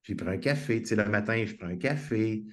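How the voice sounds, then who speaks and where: Talking a little fast at a fairly low pitch, this guest speaker with a Québécois French accent recounts stories during a conversational video-call interview. His tone is earnest and eager.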